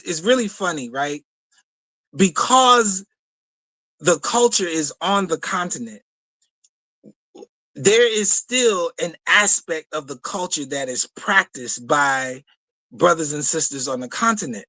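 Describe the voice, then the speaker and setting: Passionate man, bright voice. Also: fairly high pitch, no echo, poor audio. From United States. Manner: passionate storytelling, repeats words, laughs often. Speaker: guest speaker. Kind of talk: animated radio talk show discussion.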